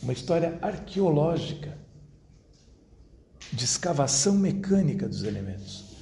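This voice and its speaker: A man's voice: fairly high pitch, big pitch swings, mellow. Man lecturing in an echoey hall. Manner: measured, rhetorical, addresses the audience directly. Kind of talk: academic lecture to an audience. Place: university lecture room. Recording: roomy echo, faint background noise.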